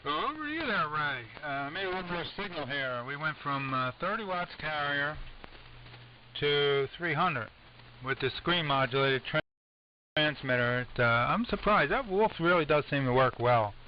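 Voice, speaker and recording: An American man, middle-aged or older, chatting casually and haltingly as an amateur radio operator over an AM shortwave link. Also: fairly high pitch, lo-fi sound. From United States. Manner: rambling, halting. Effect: AM shortwave radio transmission. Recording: noisy, band-limited AM shortwave radio. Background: steady radio noise.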